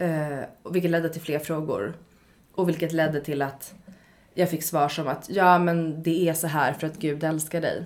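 A woman with a normal speaking voice talks at a moderate pace, her fairly low pitch held in fairly even intonation. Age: 30s. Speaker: social worker. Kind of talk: casual chat.

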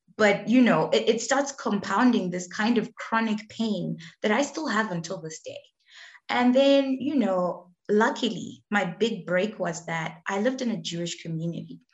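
A woman speaks at a moderate pace with fairly high pitch. Her intonation is lively and her voice somewhat breathy. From Zimbabwe. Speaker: environmental scientist. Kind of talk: casual chat. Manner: animated.

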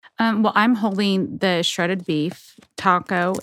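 A woman speaks in a plain, everyday voice at a medium pitch. The recording is very clean, with a silent background and a dry, close sound with no echo. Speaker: office manager. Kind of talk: casual chat.

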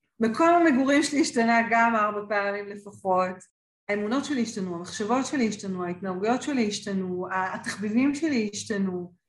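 A woman's fairly high, somewhat breathy voice with lively intonation, at a moderate pace with hardly any pauses. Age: 50s. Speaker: divorce coach. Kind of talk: interview.

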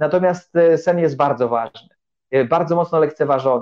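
This man has an ordinary speaking voice with a fairly high pitch, talking at a moderate pace with fairly even intonation. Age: 40s. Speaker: healthy-eating and lifestyle expert. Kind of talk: casual interview on a livestream.

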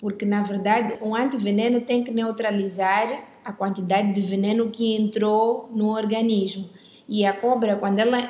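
The woman's fairly high voice stays monotone, with flat intonation. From Mozambique. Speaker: physician. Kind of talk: medical interview.

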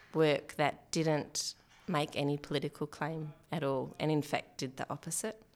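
A woman with an Australian accent and a very deep, low pitch talks at a moderate pace. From Australia, Victoria. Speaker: writer. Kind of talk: casual interview.

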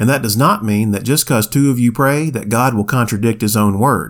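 In a very clean recording with a silent background, a man with a medium pitch and a slight Southern US accent talks at a fairly quick pace. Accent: mild Southern US. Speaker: podcast host. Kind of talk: scripted-style daily Bible reading show with jokes. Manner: humorous, jokey.

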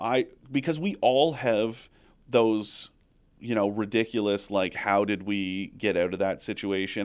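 A man with a Canadian accent and a normal speaking voice, fairly low in pitch, on a very clean recording with a silent background. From Southern Ontario. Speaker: automotive journalist, podcast co-host. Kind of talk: casual chat. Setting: studio.

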